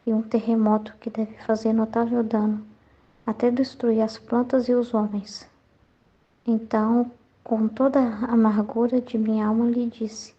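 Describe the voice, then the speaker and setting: A woman slowly and reverently reading a devotional text aloud for a Catholic study group. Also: on the high side, husky. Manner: slow, even, reverent reading. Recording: dull lo-fi sound.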